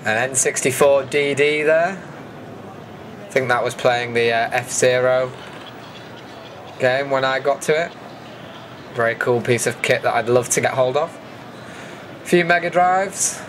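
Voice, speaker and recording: A man hosts with a casual voice-over at a middling pitch. His delivery is informal and dryly jokey, with an enthusiast's interest. There is faint noise behind him. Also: unhurried, pauses often, fairly bright tone. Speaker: video host narrating event footage.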